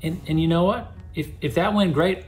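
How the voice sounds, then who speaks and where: A man's voice: fairly high pitch, moderate pace. A man in his thirties, a pastor, speaking a devotional to camera from a small home office, earnest and conversational with frequent restarts.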